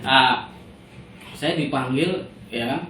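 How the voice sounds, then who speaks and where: A man's voice: mid-range voice, takes it slowly, slight background noise. A man from Indonesia, casually telling a story as a guest and acting out the dialogue with laughter. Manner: animated, laughing, acts out dialogue. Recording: roomy echo from far off.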